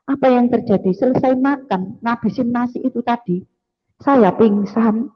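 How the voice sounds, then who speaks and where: A woman giving an animated church testimony, acting out sounds and often turning to her listeners. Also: a little high, moderate pace, slightly rough. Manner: animated storytelling with sound effects, calls the audience "brothers and sisters". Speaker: testimony giver. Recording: echoey hall, dull lo-fi sound.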